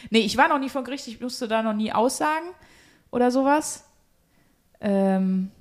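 A woman with a fairly high voice chats as a podcast host. Her talk is loose and slangy, full of joking asides in an informal, casual style. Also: normal speed. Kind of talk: casual chat.

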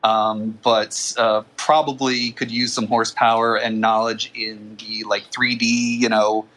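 Bright man full of fillers. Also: fairly low pitch, flat delivery, unhurried, rough recording. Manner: filler-heavy, um and you know. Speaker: guest founder. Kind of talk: casual conversation.

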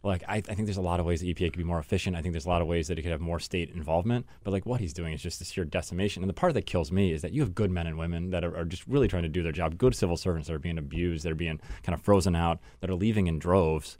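A man's voice: low voice, racing, few pauses, a little mellow, dry recording. A man being interviewed in a radio studio as an environmental advocate, earnest and full of fillers and restarts. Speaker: guest from an environmental group.

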